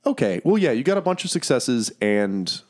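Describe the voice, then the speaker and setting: A man running a tabletop role-playing game, explaining rules in a relaxed way, with many fillers. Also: medium pitch, moderate pace. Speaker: game master.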